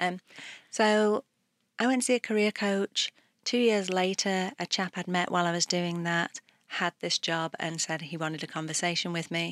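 In a plain, everyday voice with ordinary pitch variation and a moderate pace, the speech sounds dry and close with no echo on a very clean recording against a silent background. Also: woman, fairly low pitch for a woman. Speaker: nonprofit CEO. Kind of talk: casual interview chat.

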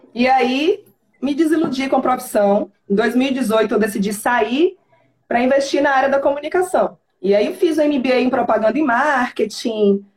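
Spoken at a fairly slow pace in a northeastern Brazilian accent, the voice has lively intonation and very even loudness. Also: woman, high pitch for a woman. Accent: Brazilian Northeastern, marked. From Ceará, Brazil (Fortaleza area). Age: 30s. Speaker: voice-over artist. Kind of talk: casual interview.

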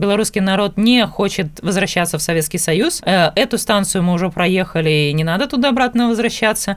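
In an ordinary speaking voice, a woman talks at medium pitch and a moderate pace, with ordinary pitch variation. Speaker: political commentator. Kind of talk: podcast monologue.

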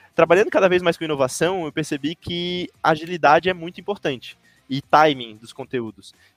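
Dry and close with no echo, the clip has a man speaking at a fairly quick pace in a high pitch, with ordinary pitch variation and big swings in loudness. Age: 20s. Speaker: creative director of a content agency. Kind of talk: casual interview chat.

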